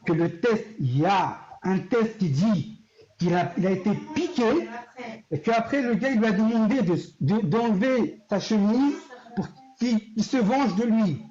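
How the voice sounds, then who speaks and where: A man's voice: high voice, expressive, measured pace, warm tone, dull audio. A man calling into a heated live debate, defending himself with stammering restarts. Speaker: caller in an online debate.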